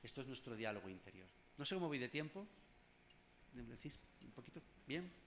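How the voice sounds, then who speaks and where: Chatty psychologist giving a workshop. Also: male voice, medium pitch, big pitch swings, a little fast, a bit bright, a little hiss or hum. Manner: conversational, addresses audience directly with asides and humor. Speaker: clinical psychologist leading a workshop. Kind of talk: informal workshop talk.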